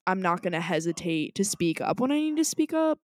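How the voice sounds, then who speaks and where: A young woman co-hosts a podcast in a casual chat, her lowish voice running a little fast. She rambles in an animated, passionate way, dropping "like" constantly, and calls herself loud and passionate. The recording is studio quality with no echo.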